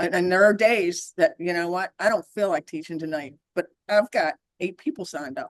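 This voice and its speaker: A woman with a normal speaking voice talks at a fairly quick pace, medium in pitch. Her intonation is lively, and the sound is dry and close with no echo. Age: 60s. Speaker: fitness instructor. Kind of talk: casual chat.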